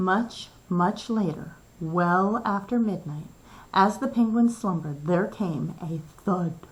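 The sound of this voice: This is an unforced reading voice. It is delivered plainly.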